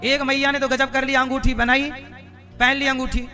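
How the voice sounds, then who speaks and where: High-voiced man preaching over music. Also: monotone, moderate pace. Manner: questions and teases the audience. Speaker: katha preacher. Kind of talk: devotional sermon with storytelling.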